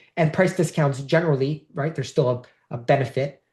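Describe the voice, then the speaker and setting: A man speaks fairly quickly. There is a somewhat breathy quality to his voice. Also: quiet background. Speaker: college admissions consultant. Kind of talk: lecture. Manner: fast.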